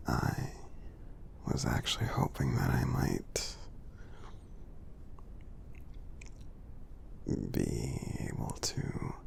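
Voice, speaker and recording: A man voicing a friendly, kindly giant in an ASMR roleplay, speaking softly and breathily with a gravelly edge, in a tender, halting, encouraging way. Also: extremely low pitch, heavily acted. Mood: gentle, reassuring. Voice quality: soft, breathy, half-whispered, gravelly. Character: gentle friendly male giant, kindly and reassuring.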